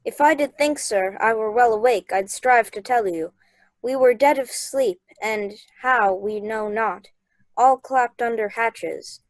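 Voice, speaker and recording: A woman's voice: fairly high pitch, measured pace, no echo, lightly acted. A woman playing an earnest, amazed ship's sailor in a Shakespeare radio play.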